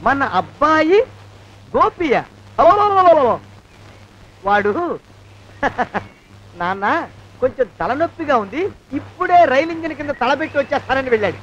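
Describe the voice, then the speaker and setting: A jittery high-voiced comic servant. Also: male voice, sing-song, moderate pace, pauses often, a bit bright, a little hiss or hum, full character voice. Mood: mocking. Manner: panicky, wailing, rambling jokes. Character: jittery comic male servant, easily scared. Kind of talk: comic film acting. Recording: dull lo-fi film soundtrack.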